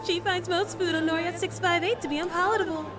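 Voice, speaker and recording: A woman's voice: extremely high pitch, fairly even intonation, fast, over music. A woman playing a polite, literal-minded computer assistant in an audio drama, speaking formally and precisely. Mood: helpful, formal. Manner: formal, matter-of-fact, precise. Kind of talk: scripted audio drama acting.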